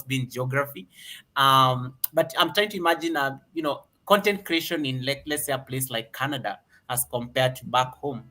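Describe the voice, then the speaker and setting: A man with a Kenyan accent hosting a casual livestream interview, asking questions in long, repeating, animated runs. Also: a little high. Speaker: livestream host.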